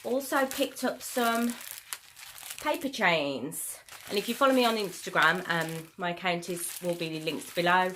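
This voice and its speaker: A croaky woman in her thirties chats easily and warmly about what she bought, her voice sitting fairly low. She talks at home with a faint hiss of noise behind her. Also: measured pace. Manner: relaxed, chatty, frequent ums. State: croaky from a cold. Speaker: YouTuber. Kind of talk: chatty haul video.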